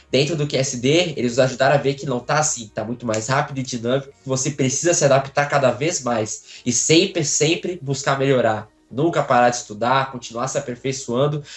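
A Brazilian man in his twenties talking casually as an interview guest on a video call, telling things with frequent tag questions. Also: mid-range voice. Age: 20s. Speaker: interview guest, aspiring voice actor. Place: small room at home, on a video call. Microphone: phone or device mic at some distance, video call.

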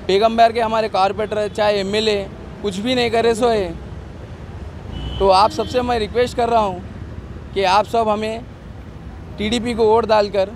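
A young man with a Hyderabadi accent, an election candidate making an appeal to press microphones outdoors. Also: high voice. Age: young adult. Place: busy street, outdoors. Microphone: handheld press microphones held close. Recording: faint outdoor street noise.

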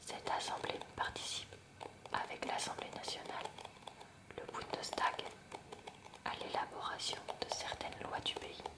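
A woman reading a school lesson aloud in a soft, unvoiced ASMR whisper, slow and careful. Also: recorded from a distance. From France. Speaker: ASMR creator. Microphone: close mic near hairbrush on a table.

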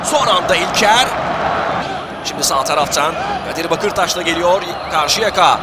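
A man's voice: high voice, expressive, normal speed. A man giving live football play-by-play as match commentator, in controlled, clipped phrases that name the players. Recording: loud crowd noise behind broadcast commentary. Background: stadium crowd.

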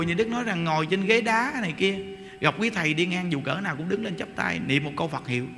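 A man's voice: high voice, bright, forceful tone. A man giving a Buddhist dharma talk in a folksy way, acting out blunt everyday exchanges. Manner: folksy, acts out blunt dialogue with listeners. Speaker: Buddhist teacher. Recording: long hall reverb, faint noise.

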